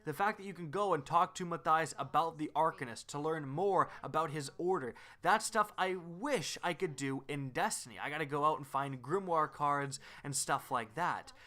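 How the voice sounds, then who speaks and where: A man's voice: on the high side, normal speed, hardly any pauses, pushed and bright. A man hosting a gaming video, giving upbeat, explanatory commentary as a voice-over.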